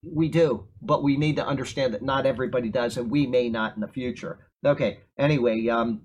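A man's voice: medium pitch, brisk, a little mellow, husky, muffled recording. A man, preaching a casual sermon and often checking in with his listeners. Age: 50s. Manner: conversational, keeps asking "okay?". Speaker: pastor.

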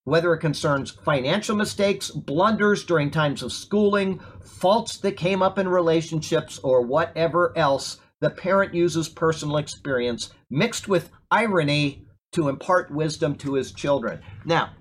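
A pastor in his 50s preaches a casual, conversational sermon, often checking in with listeners by asking "okay?". His voice is a little high and his pace measured, with a slight hiss or hum in the recording.

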